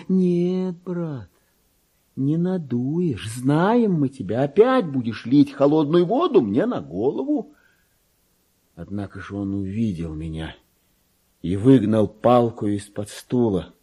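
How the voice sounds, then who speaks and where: Husky, wildly swinging madman clerk. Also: a little high, full character voice. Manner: theatrical, volatile, swinging from hushed muttering to anguished outcry. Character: deluded, tormented madman clerk who believes himself king. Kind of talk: dramatic radio monologue reading of classic literature.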